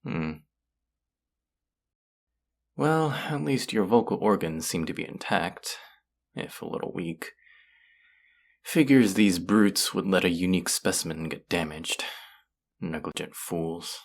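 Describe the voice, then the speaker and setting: A man playing a haughty, cruel yet curious alien buyer in an audio roleplay, talking down to the listener in a deliberate, condescending murmur. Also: low-pitched, vocal fry, exaggerated voice. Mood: scornful.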